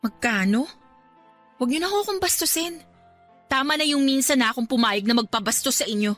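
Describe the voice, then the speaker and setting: A woman's voice: high-pitched, lively intonation, fairly quick, fairly bright tone, faint music behind. An actress playing a wronged young female employee in a radio drama, indignant and assertive while still polite. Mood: angry, defiant. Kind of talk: Tagalog radio drama acting.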